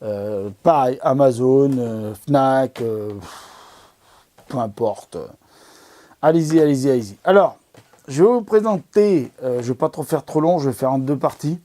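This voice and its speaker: A man's voice: mid-range voice, animated, unhurried, mellow. A man hosting an amateur astronomy video, recommending documentaries in a casual, enthusiastic and rambling way, full of fillers and restarts. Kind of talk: casual product recommendation talk.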